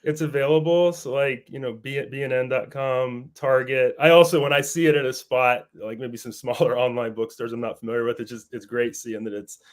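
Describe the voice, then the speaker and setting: A man being interviewed as an author guest, slightly raspy from a cold, friendly, laughing easily and repeating words. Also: medium pitch, fairly even intonation, a little fast, hardly any pauses.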